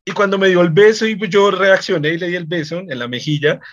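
Podcast host, young Colombian man, slightly high voice, rambly storyteller, dull lo-fi audio. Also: fast, fairly bright tone. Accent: Colombian Spanish. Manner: rambling, repeats words, chuckles often. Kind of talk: casual anecdote telling.

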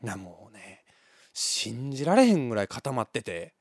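Kansai man, solo radio host, animated story chat, dry close sound. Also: medium pitch, moderate pace, slightly rough, dry recording. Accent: Kansai Japanese. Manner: animated, laughs often between lines.

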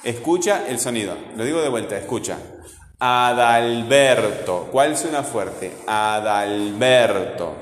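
A man teaching a class, slowly sounding out words syllable by syllable as he corrects the lesson. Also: medium pitch, lively intonation, a little hiss or hum. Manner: slow, deliberate, drawn-out syllables when sounding out words. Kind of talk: correcting a grammar lesson with students. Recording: echoey classroom with long reverb.

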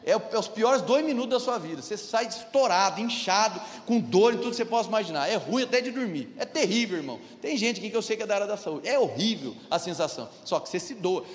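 Speaking quickly with few pauses, a high-pitched man in his thirties with a Brazilian Portuguese accent delivers a sermon as a pastor in a church hall. His lively intonation carries a personal story, and he keeps asking the congregation "amém?" and addressing them as "irmão," all in a big-room acoustic.

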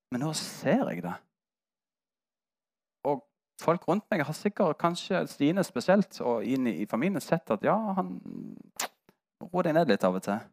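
A man's voice: medium pitch, a little mellow. Man, 30s, pastor, sermon, candid personal storytelling, self-mocking humor. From Norway.

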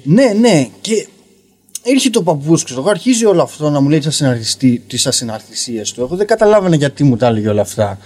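A man's voice: a little high, sing-song, darkish tone. Rambling young man telling a story. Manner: rambling, frequent "you know" fillers. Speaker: guest comedian. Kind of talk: casual storytelling. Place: basement podcast studio.

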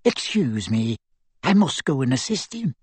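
A man voicing an elderly witch, a proud and imperious grandmother who speaks crisply in an audiobook story. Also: mid-range voice, sing-song, a little slow, darkish tone, no echo. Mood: proud, brisk. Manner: crisp, commanding.

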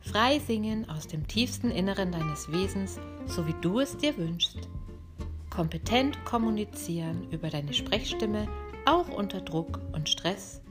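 Lively woman vocal coach. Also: mid-range voice, a little slow, music in the background. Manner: lively, direct, talks straight to the listener. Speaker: vocal coach and podcast host. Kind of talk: podcast lesson on singing technique.

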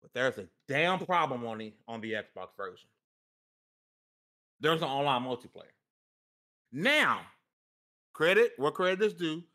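A man's voice: medium pitch, big pitch swings, a little slow, pauses often, sharp tone. A man in his thirties hosting a casual gaming podcast, laughing often and greeting the chat. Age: 30s. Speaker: podcast host.

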